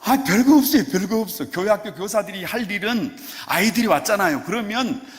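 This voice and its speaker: A male pastor preaching a sermon in a playful, animated way, coaxing the congregation to answer him. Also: sits high, fairly quick. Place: church sanctuary. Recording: long church hall reverb.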